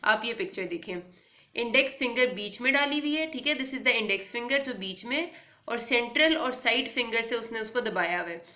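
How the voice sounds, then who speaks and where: Female medical tutor, patient and repetitive, bright voice, echoey room. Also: on the high side, expressive, moderate pace. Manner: patient, repeats points, code-switches with English terms. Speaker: medical instructor. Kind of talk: explanatory lecture on instruments.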